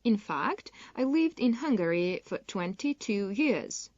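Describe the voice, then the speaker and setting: Woman acting female dancer, scripted listening-test interview, measured delivery, dry close sound. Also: medium pitch, very animated, a little mellow, dry recording, lo-fi sound. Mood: polite. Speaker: interviewee in a textbook listening recording. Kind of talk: scripted listening-exam dialogue.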